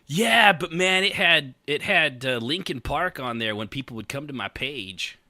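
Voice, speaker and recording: A man's voice: on the high side, animated, moderate pace, noisy background. A man hosting a casual podcast discussion, rambling and stammering as he works through his thoughts, swearing casually. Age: 30s or 40s. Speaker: podcast host. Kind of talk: casual panel chat about online roleplay.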